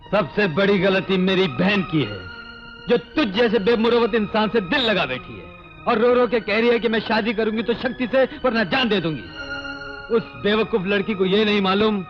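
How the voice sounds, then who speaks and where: A man's voice: high-pitched, dull audio, lightly acted. A man playing an earnest, proud young brother. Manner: earnest and dramatic, turning fierce. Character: proud young engineer, protective elder brother. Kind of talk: 1980s film drama acting.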